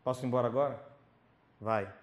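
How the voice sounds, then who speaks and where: A male preacher telling a personal testimony at a youth camp, acting out scenes with sudden drops to whispers and loud pleading cries. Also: medium pitch, brisk. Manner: dramatic storytelling, swinging from whispers to loud pleading. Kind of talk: testimony sermon. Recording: roomy hall recording with faint noise.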